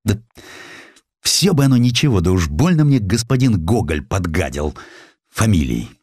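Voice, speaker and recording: A man's voice: low voice, big pitch swings, normal speed, darkish tone, breathy edge, dry recording, clean studio sound, heavily acted. A man voicing a proud, easily aggrieved provincial merchant in an audio drama, with folksy, ceremonious old-fashioned speech.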